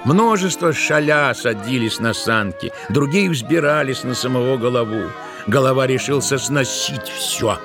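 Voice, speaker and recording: Скрипучий мужской голос рассказчика. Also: male voice, mid-range voice, expressive, unhurried, over music. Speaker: narrator. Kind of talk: dramatic literary storytelling.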